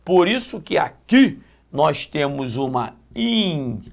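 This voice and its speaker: A man's voice: fairly high pitch, big pitch swings, slow, creaky. A man teaching a grammar lesson in a chatty way, repeating key points and acting out examples.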